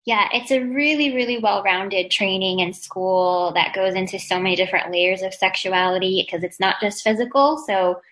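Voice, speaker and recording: A woman's voice: mid-range voice, normal speed, few pauses, fairly bright tone, rough recording. A woman hosting a podcast, introducing and praising her guest in an effusive, chatty way. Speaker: podcast host. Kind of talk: casual interview talk.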